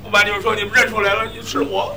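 A man telling a comic story in a crosstalk act, lively and animated, with sudden shouted punchlines. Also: high voice, racing, recorded from a distance, a little hiss or hum.

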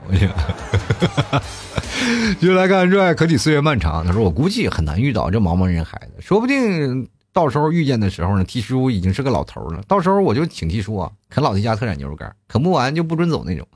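Joking male host with lively pitch. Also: quick pace, slightly rough, soft background music. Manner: joking, teasing, often laughing. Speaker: radio host reading listener messages. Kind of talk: casual chat show.

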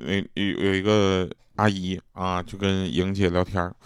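A deep-voiced man with a fairly flat pitch and a moderate pace tells funny everyday anecdotes in a relaxed joke-telling monologue, with a little hiss or hum in the background. Chatting away as a comic storyteller, he laughs at his own jokes and does voices for the people he quotes.

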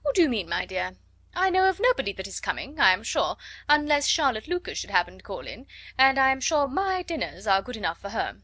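A woman voicing a fussy, easily flustered middle-aged mother who exclaims and frets loudly in an audiobook. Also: fairly high pitch, big pitch swings, brisk, full character voice. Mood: fretful excited. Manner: loud, exclaiming, fretful. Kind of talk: audiobook character voice.

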